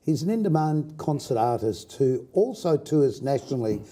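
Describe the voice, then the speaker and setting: A man's voice: mid-range voice, big pitch swings, normal speed, warm tone. An older man with an Australian accent hosting a casual interview, chatty and jokey, often cutting in. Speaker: host.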